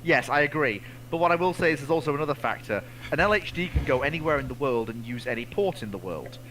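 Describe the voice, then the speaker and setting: A man's voice: medium pitch, expressive, fast, a bit bright, slight background noise, rough recording. A man chatting casually as a co-host in a live discussion.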